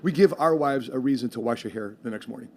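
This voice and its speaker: A man hosting a podcast in casual chat, rambling with many fillers and quick laughs. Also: medium pitch, a little mellow. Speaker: podcast host.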